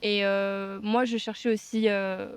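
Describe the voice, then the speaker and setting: Female vlogger, medium-pitched, relaying life stories in casual conversation. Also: little pitch movement, measured pace, smooth. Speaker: vlogger telling a life story with partner. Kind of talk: casual storytelling chat.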